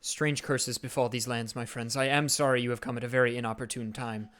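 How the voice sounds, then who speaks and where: A man's voice: medium pitch, level tone, fairly quick, a bit bright, lightly acted. Guy doing tired kind priest npc, formal and polite, welcoming folks in. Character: weary kindly male town priest and leader.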